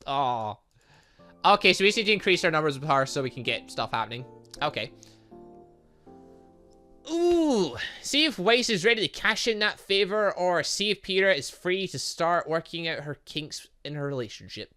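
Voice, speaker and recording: A game playthrough host reading aloud and commenting in a rambling, excitable, self-interrupting way. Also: mid-range voice, normal speed, faint music behind. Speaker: gaming video host.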